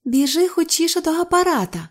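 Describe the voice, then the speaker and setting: A woman's voice: extremely high pitch, very animated, fairly quick, voice pushed up. A woman voicing a capricious young actress who whines, bosses people around and shrieks. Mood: bossy. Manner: whiny, bossy, shrieking.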